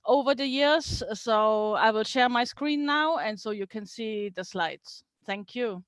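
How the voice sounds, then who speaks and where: A woman's voice: a little high, a little slow, no room sound. A middle-aged woman from East Germany, German her first language, giving an earnest online business talk over a video call, with small slips in her English. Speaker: guest speaker.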